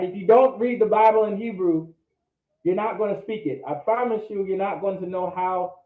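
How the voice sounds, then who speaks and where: Guy teaching class, kinda high voice, keeps saying all right, tinny and echoey. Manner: repeats "all right?" to check understanding, emphatic. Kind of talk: classroom lecture. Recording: echoey room, phone-like audio.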